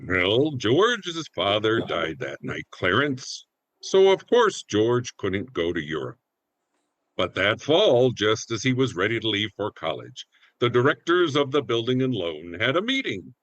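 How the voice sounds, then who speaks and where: A man's voice: fairly low pitch, big pitch swings, a little slow, a bit bright, dry recording, lo-fi sound. A man playing a storytelling heavenly narrator in a radio play. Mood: solemn storytelling. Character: storytelling heavenly narrator recounting a life to Clarence.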